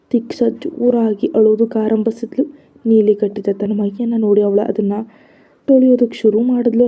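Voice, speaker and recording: A woman narrating an audio story in a measured way, with a husky voice and a flat, even delivery. The recording sounds slightly dull and lo-fi. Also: mid-range voice.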